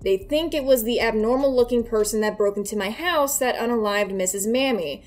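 A woman's voice: on the high side, brisk. A woman in her twenties giving casual, profane commentary with a sardonic, mock-dramatic delivery, recorded indoors in a bedroom. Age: 20s. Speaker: reaction video host.

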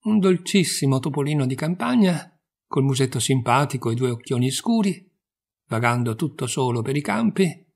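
A man reading fables aloud in a calm, measured storytelling manner. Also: mid-range voice, husky. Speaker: reader of fables. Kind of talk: audiobook fable narration.

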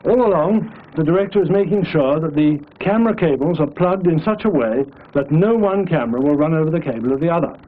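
A man's voice: a little high, animated, fairly quick. A British man delivering scripted narration for a training film, as its narrator. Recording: hissy, narrow 1960s film soundtrack.

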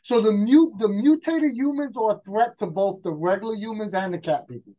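A man, brainstorming a game scenario as a guest game master in casual chat, talking excitedly with frequent restarts. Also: high voice, fairly quick, rough recording.

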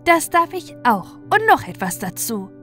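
A woman's voice: on the high side, big pitch swings, measured pace, sharp tone, faint music behind, pitched above the performer's own voice, exaggerated voice. A woman voicing cheeky, bold young sparrows in a storybook, exclaiming and chirping, with opinions on everything. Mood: bold, excited.

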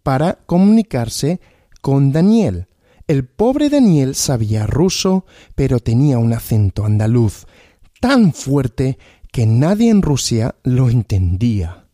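Slow, lively-toned male Spanish teacher. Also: medium pitch, no echo, clean studio sound. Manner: asks questions and answers them himself, repeating. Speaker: Spanish teacher, podcast host. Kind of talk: slow question-and-answer story lesson.

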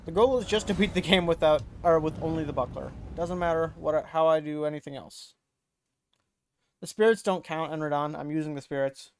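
A man's voice: a little high, a little fast, a little hiss or hum. A man in his twenties casually talking to himself while streaming a game, offhand and mumbly. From United States. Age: 20s. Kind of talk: casual gameplay commentary. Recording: game music underneath.

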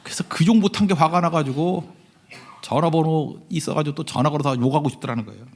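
A male pastor giving a conversational sermon. He tells stories, keeps asking the congregation to agree, and swings from loud emphasis to hushed asides. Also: on the high side, fast talker. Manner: conversational storytelling, often asking the congregation "right?".

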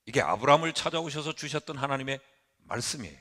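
A middle-aged male pastor preaching a dramatic sermon into a pulpit microphone, acting out the voices of God and Abraham and swinging between soft lines and loud ones. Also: medium pitch, expressive, fast talker. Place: church sanctuary with long reverb. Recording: reverberant church hall.

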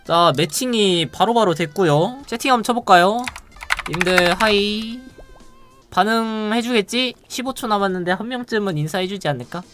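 Excitable gamer with a lively pitch. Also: soft background music. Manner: excitable, playful, quick reactions and laughter. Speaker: game streamer. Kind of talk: live gameplay commentary.

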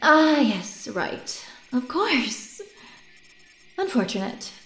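A woman's voice: high voice, sing-song, very slow, a bit bright, soft background music, exaggerated voice. Woman playing a haughty, echoing lady scientist. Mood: dismissive. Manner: theatrical, wordy, condescending. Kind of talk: audio drama acting. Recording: roomy, echoing sound.

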